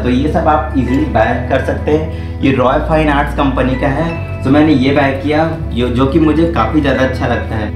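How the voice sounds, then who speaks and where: Chatty young man in an echoey room. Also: mid-range voice. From Raipur, Chhattisgarh, India. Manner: chatty and informal, mixing English words into Hindi. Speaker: art channel host. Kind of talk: casual vlog, showing art supplies. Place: small room with art supplies, indoors.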